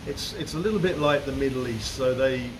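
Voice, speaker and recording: A man's voice: medium pitch, fairly quick. Chatty middle-aged man, humming air conditioner. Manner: chatty, meandering, many restarts. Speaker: guest. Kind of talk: casual conversation. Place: room in the Philippines. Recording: steady air-conditioner hum.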